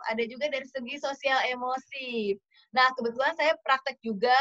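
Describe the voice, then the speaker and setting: Woman expert for a parenting class: slightly high, bright voice, patient and methodical, heard through a video call. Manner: measured, explains with lists of examples. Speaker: child development practitioner. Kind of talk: explaining to parents. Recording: dull video-call audio.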